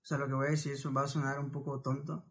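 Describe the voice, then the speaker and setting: A man's voice: mid-range voice, level tone, racing, fairly bright tone. A man in a casual podcast chat, hedging tentatively before making his point.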